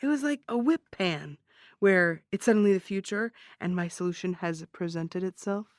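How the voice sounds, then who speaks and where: A woman's voice: on the low side, moderate pace, no room sound, lightly acted. Wry sardonic podcast sleuth lady , a woman acting it, dry close sound, audio drama. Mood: playful. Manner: wry, playfully theatrical. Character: wry female podcast investigator, theatrical, sardonic. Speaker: true-crime podcast host.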